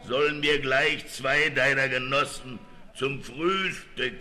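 An actor playing a boastful, cruel man-eating Cyclops in an audio drama, booming and grandiose. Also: bright, forceful tone. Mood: menacing, gloating. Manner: booming, grandiose, slow threatening delivery. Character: boastful cruel male Cyclops giant, menacing man-eater. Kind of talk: German audio drama acting.

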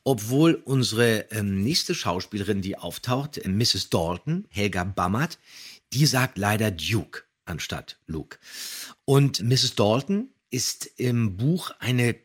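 A man's voice: on the low side, sing-song, takes it slowly, husky. A man co-hosting a podcast, giving detailed, appreciative commentary on radio plays in conversation. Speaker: podcast co-host.

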